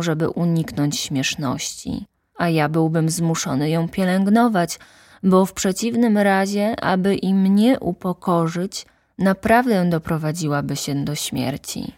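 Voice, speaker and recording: A woman voicing the Little Prince, a gentle and lonely young boy, in an earnest, wondering storybook reading. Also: on the low side, measured pace, no echo, studio quality.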